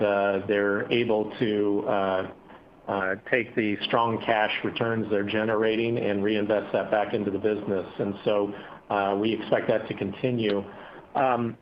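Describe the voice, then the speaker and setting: A man speaking as a company executive, answering analysts on an earnings call in measured corporate phrasing with hesitant pauses. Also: fairly low pitch. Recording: dull, noisy conference call audio.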